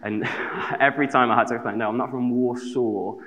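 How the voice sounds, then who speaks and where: A man's voice: medium pitch, fairly even intonation, brisk, fairly bright tone. A young man with a Black Country accent from the West Midlands, reading scripture and then telling chatty, self-deprecating stories in a sermon. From West Midlands, England. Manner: chatty, self-deprecating humour with many fillers. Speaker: preacher. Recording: long hall reverb.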